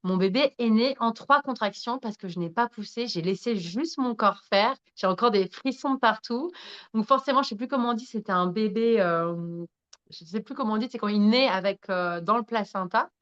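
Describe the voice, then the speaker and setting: A woman's voice: medium pitch, moderate pace, highs cut off. A woman guest on a podcast, telling a personal story frankly and with animation. She swears freely, laughs at herself and speaks straight to the listeners. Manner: animated, addresses listeners directly. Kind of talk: candid storytelling in conversation.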